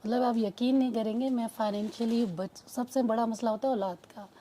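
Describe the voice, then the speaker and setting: A mother of two gives an earnest personal testimony in a warm, fairly high voice with mostly even intonation. She rambles and keeps restarting, quoting dialogue as she tells her story. A faint hiss or hum sits under the recording.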